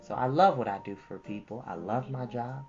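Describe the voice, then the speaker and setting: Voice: mid-range voice, normal speed, a little mellow, muffled recording, soft background music. A storytime host speaking to children, moving between earnest, preachy casual asides and storybook reading, repeating points for emphasis.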